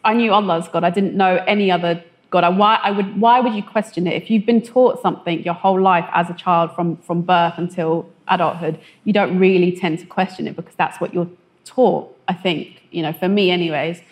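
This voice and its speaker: A woman's voice: on the low side, a little fast. Hesitant woman telling her story. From West London. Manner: hesitant, filler-heavy, animated when quoting others. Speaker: testimony guest. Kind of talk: conversational testimony.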